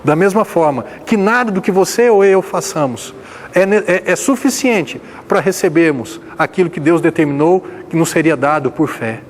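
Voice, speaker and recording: A man preaching a sermon as pastor, firing rhetorical questions and swinging between loud emphasis and hushed passages. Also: a little high, lively intonation, normal speed, a little hiss or hum.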